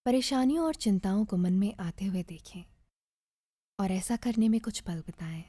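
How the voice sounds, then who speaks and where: Breathy, mellow woman guiding a meditation. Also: medium pitch, no echo, studio quality. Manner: soothing, measured, with gentle pauses. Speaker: guided meditation narrator. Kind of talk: guided meditation, scripted narration.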